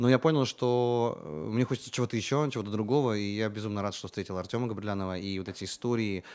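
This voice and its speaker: This man talks very fast at a medium pitch, his pitch varying in an ordinary way. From Russian Far North. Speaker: film director; guest. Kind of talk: interview. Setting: studio. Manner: energetic. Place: studio. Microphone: studio mic.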